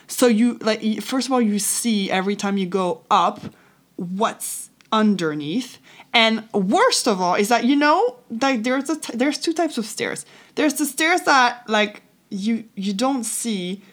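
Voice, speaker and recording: A woman's voice: a little high, animated, a little slow. Chatty young woman, searching for words. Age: 20s. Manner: translating in head, searching for words; rambling, self-interrupting. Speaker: host. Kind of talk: casual chatty personal storytelling.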